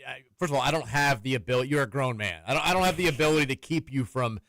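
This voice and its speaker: Dry-humored radio host man, bright voice. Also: medium pitch, very fast, no echo. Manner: dry, teasing, reads texts aloud. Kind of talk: casual radio banter. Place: radio studio. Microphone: studio microphone.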